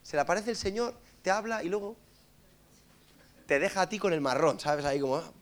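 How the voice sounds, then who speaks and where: A man with a Madrid accent preaching through a funny story, animated and joking, asking listeners for amens. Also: high voice, a little fast. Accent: Madrid Spanish. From Spain. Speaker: preacher and musician. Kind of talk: humorous storytelling sermon.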